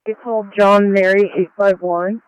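A police officer giving terse radio call codes in a clipped, flat delivery, his transmission cut off at the start over the police radio. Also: sits high, moderate pace, clean tone, no echo. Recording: muffled two-way radio.

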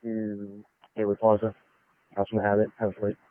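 A police officer calling in over a police radio, in terse, code-like phrasing. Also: male voice, lowish voice, monotone, fairly quick, no echo. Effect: police radio transmission. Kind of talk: clipped police radio traffic. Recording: narrow phone-like radio band.

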